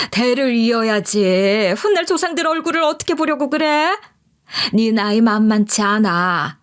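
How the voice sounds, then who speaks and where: A woman's voice: on the high side, voice pushed up, natural voice. A woman narrator voicing a pushy older mother who insistently nags her grown son with pointed questions. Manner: scolding, insistent, rhetorical questions.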